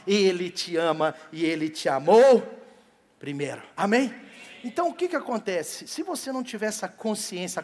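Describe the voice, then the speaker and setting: A male pastor preaching a sermon with a Brazilian accent, swinging from loud emphatic peaks to soft quiet lines, in a church hall. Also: high-pitched. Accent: Brazilian Portuguese. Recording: long church hall reverb.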